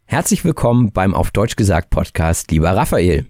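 A man hosting a language-learning podcast, speaking in a measured, clear, teacherly way as he introduces and interviews a guest. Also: low-pitched, big pitch swings, over music. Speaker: podcast host and German teacher. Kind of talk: scripted intro, then interviewing.

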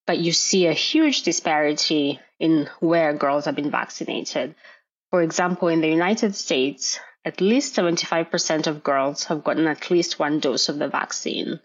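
A middle-aged woman from Kenya, a gynecologist guest explaining health issues in a measured way on a podcast. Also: low voice, lo-fi sound. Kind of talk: podcast interview.

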